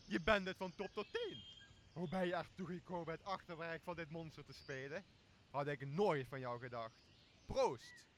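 Young man as a high-voiced boozy castaway. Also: moderate pace, slight background noise, close to an everyday voice. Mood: boisterous. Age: young adult. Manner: tipsy, blustering, coarse. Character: boozy, blustering male castaway, greedy and bossy. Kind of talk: Shakespeare radio play. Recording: clear outdoor nature sound behind voice.

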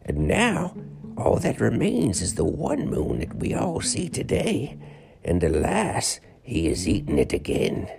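A man voicing a feeble, small old man with a long white beard in a children's bedtime story, speaking high and slow. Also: huge pitch swings, vocal fry, full character voice. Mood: weary.

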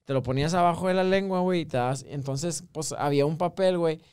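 A man's voice: a little high, fast, darkish tone, clear, resonant tone. A man casually telling drug anecdotes to friends, full of slang and laughter, acting out the people in them. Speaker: podcast host. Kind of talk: casual storytelling among friends.

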